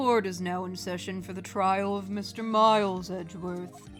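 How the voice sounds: A woman's put-on character voice at a medium pitch, with fairly even intonation, a moderate pace and clear music in the background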